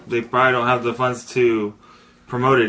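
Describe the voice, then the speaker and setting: In an unremarkable speaking voice, a man talks at a fairly quick pace with a medium pitch. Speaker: podcast co-host. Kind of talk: casual chat.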